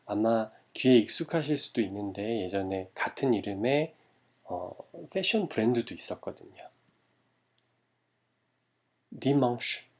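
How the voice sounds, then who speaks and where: A man teaching a language lesson, modeling each word slowly and repeating it for learners. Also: on the low side, darkish tone. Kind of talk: slow, careful language lesson.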